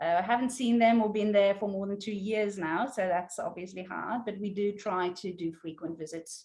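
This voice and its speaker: A woman speaks in an Afrikaans accent at a moderate pace. Her pitch is medium and varies in an ordinary way. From South Africa. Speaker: psychologist. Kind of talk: interview.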